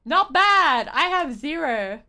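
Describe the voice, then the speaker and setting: A young woman giving casual live game commentary, rambling and halting, with slangy phrasing. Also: high voice, very animated, pushed and bright, faint music behind. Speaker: game streamer.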